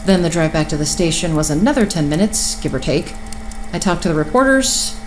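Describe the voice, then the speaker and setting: A woman's voice: sits low, lively intonation, brisk, noisy background. A woman playing an exasperated, sarcastic counselor in a naturalistic audio drama, with a snappy, sardonic way of talking. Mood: wry recollection.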